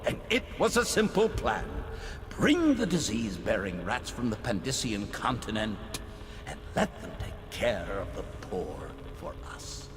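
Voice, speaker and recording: An actor playing a self-righteous, scheming ruler who makes a confession in a smug, self-justifying way in a game. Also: male voice, fairly low pitch, big pitch swings, a little slow. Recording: long reverb with loud ambient noise.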